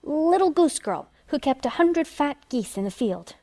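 An eager little girl rounds off a fairy tale in a sweet way, as a woman reader puts her on. Her voice is high and mellow, recorded close and dry. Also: big pitch swings, unhurried, no room sound, full character voice.

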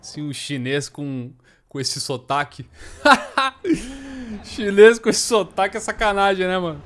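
A gaming streamer in his thirties talks on a headset with a high voice and a slow pace. His commentary is casual and slangy, broken by bursts of excited chatter.

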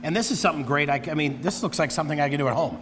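In a studio kitchen, a co-host chef in his forties chats casually and eagerly on a cooking segment, enthusiastically jumping in with reactions. His voice is a little high and racing, heard in a large hall with background noise.

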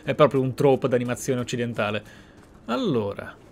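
A man's voice: medium pitch, animated, moderate pace, creaky. Man narrating a game, noisy backdrop. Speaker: gaming channel host. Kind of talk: Let's Play roleplay narration and commentary. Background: video game ambience.

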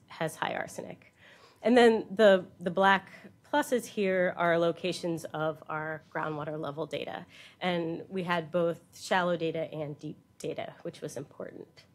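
Low-voiced woman giving a science talk. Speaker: university researcher giving a keynote. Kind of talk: scientific conference lecture with slides.

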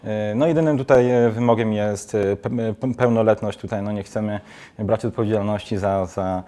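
Hesitant young man, low voice. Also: fairly even intonation, normal speed, warm tone. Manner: hesitant, many restarts and fillers. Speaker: guest, student trip organizer. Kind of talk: casual studio interview. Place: TV studio.

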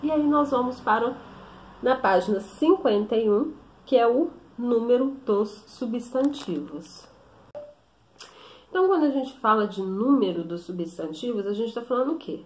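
A woman teacher explaining a grammar lesson slowly, often stopping to check with her students. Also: fairly high pitch, expressive, slight background noise. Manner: slow, explanatory, with frequent check-in questions. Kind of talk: recorded classroom lesson. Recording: echoey room.

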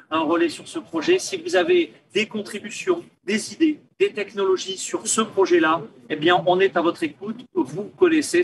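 A man in his fifties hosting an interview, animated and gesturing, often restarting his sentences, in a small padded booth. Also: high voice, vocal fry. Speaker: host. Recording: distant mic, crowd noise behind.

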